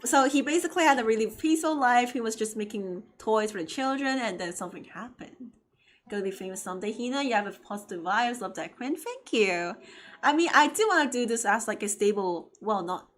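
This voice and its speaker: A woman's voice: on the high side, pushed and bright. A woman with a Cantonese accent, chatting casually and ramblingly with her viewers as a game streamer. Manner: chatty, rambling, often laughing. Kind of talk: casual gaming-stream chat.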